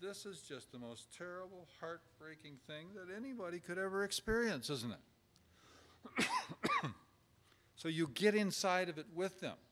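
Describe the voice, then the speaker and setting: A man giving a relaxed teaching talk on caregiving, halting with fillers and restarts as he works through numbered points. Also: sits high. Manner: unhurried, halting with many fillers, acts out sample dialogue. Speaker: church caregiving trainer.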